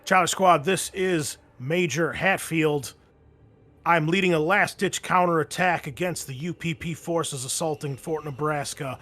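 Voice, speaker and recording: Man acting an urgent, loud military major. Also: on the high side, measured pace, voice pushed up. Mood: urgent, commanding. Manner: clipped, commanding military radio procedure. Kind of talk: tabletop roleplay radio call.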